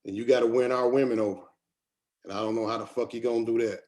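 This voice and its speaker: A man's voice: medium pitch, fairly even intonation, fast talker, darkish tone, lightly acted. A man playing a proud, skeptical miner who speaks plainly, in a screenplay table read.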